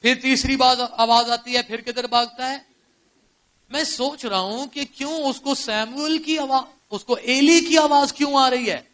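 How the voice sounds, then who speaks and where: A male pastor with a Pakistani accent preaching a sermon in church, firing rhetorical questions at the congregation and swinging between quiet storytelling and loud exclamations. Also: extremely high pitch. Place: church service before a congregation.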